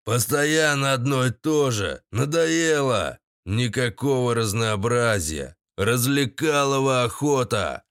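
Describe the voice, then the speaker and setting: Audiobook thug: narrator putting on a slow-drawling shaven-headed gang leader, gravelly low, dry close read. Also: male voice, lively intonation, a bit bright, no room sound. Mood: menacing. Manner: drawling crude street slang.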